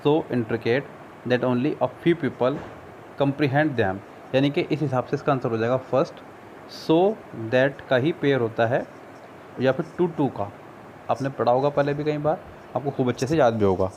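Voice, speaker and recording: A Hindi-speaking man with an Indian accent tutors for an English exam on a screen recording, patiently explaining and reading English sentences slowly. His mid-range voice has a darkish tone, and the screen recorder mic cuts off the highs and picks up a little hiss or hum.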